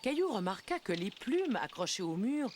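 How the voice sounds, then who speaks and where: A woman as a gentle storyteller narrating a children's cartoon in a scripted, storybook style. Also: mid-range voice, big pitch swings, normal speed, a little hiss or hum, lightly acted. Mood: storytelling. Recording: music behind the voice.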